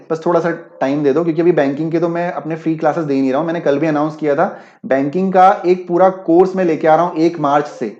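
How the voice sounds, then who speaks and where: Male teacher, live online class, mix, slightly high voice, roomy lo-fi sound. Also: a little mellow. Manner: mixes Hindi with English, keeps checking if students follow. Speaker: online exam-prep teacher. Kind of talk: live-class explanation with chat replies. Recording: echoey, dull lo-fi sound.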